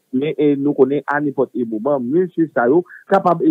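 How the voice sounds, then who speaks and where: A man speaks with a plain, everyday voice, pitched fairly high, moving at a moderate pace with lively intonation. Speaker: radio news reporter. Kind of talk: news report and commentary.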